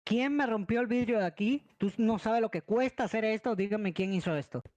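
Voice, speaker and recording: A man's voice: high voice, brisk, darkish tone, no room sound, lo-fi sound. A man improvising casual game roleplay, theatrical and given to repeating himself. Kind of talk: casual roleplay chat while gaming.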